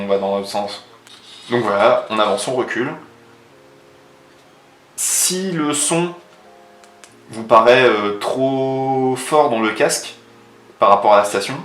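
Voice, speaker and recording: A man's voice: medium pitch, a bit bright, slight background noise. Echoey Frenchman giving a casual product demo. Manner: informal, colloquial, explaining step by step. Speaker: motovlogger reviewing a product. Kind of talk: casual hands-on product demonstration. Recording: roomy echo, faint music underneath.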